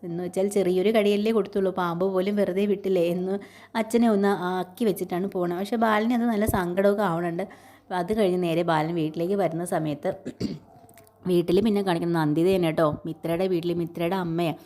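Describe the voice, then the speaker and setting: Fast-talking woman retelling a serial. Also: lowish voice, fairly even intonation, mellow. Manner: chatty, often ends sentences with a tag asking the listener to note it. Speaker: serial recap narrator. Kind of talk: casual retelling of a TV serial episode.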